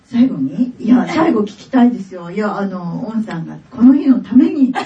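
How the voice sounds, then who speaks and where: Woman novelist at a talk event, lots of "ano", lively ups and downs, mellow tone, echoey. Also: mid-range voice, moderate pace. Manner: hesitant fillers, warm laughs. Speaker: author guest at a book event. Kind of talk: public dialogue. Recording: distant, roomy, dull event audio.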